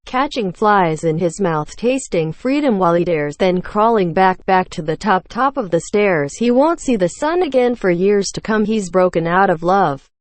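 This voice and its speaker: Female robot tts voice reading lines stiffly, weird pauses, middle pitch. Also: animated, no echo. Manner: stiff, odd pauses between phrases. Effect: text-to-speech robot voice. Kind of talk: machine reading of song lyrics.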